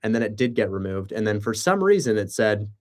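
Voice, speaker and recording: A man's voice: fairly low pitch, very animated, brisk. Casual sarcastic male livestreamer. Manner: sarcastic, rhetorical questions. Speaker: live streamer and real estate wholesaler. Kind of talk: casual livestream chat, rambling commentary.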